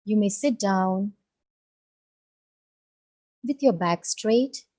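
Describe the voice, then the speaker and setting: A woman leading a guided meditation, giving gentle, soothing instructions with long pauses. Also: mid-range voice.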